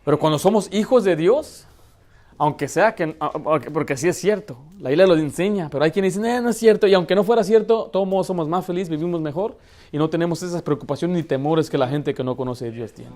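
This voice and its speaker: A man's voice: fairly high pitch, a little fast, a little mellow. A male pastor preaching in church with a voice that sits a little above the usual male range. He talks to the congregation directly, emphatic and conversational. He keeps tossing rhetorical questions at them. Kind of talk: Baptist sermon.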